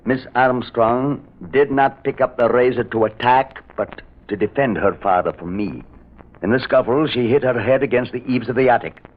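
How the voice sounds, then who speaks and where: An actor playing a desperate, defiant lover and suspect in a melodramatic old-time radio drama style. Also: male voice, mid-range voice, normal speed, natural voice. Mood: grim, defiant. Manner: intense, melodramatic. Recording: muffled vintage radio recording.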